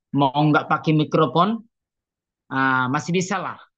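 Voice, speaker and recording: This is a man speaking. The background is quiet. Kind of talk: webinar lecture. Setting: video call. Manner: conversational, uses filler tags.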